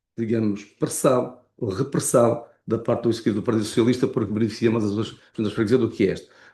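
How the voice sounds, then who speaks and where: Speaking at a very fast pace with hardly any pauses, a man with a medium pitch and a dark, mellow, somewhat breathy tone keeps a fairly even intonation over a quiet background. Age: 60s. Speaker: local election candidate. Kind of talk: televised political debate. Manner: halting, with many fillers and repetitions.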